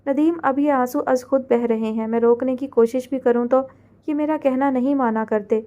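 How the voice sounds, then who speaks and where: Woman doing a tearful heartbroken young woman, reproachful, high mellow voice, audiobook. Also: steady tone, moderate pace, muffled recording, lightly acted. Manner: reproachful, pleading.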